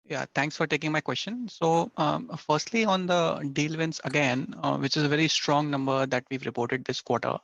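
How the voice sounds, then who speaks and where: A man's voice: a little high, moderate pace, gravelly, few pauses, fairly bright tone, no room sound. A man asking questions as an analyst on an earnings call, careful, polite and hesitant, over a dull line. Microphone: phone or conference call line.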